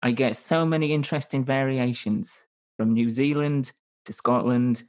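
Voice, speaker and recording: A man in his thirties from Northern England, with a Northern English accent, speaks as a podcast guest in a casual conversational interview. His medium-pitched, darkish voice is fairly even and moderately paced as he rambles, self-corrects, hedges, and restarts often.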